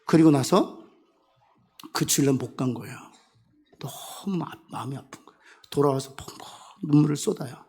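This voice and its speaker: A middle-aged man preaching a sermon as pastor, telling a personal story with emotion, dropping quiet and then rising to emphatic points. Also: fairly high pitch, normal speed, long pauses, husky.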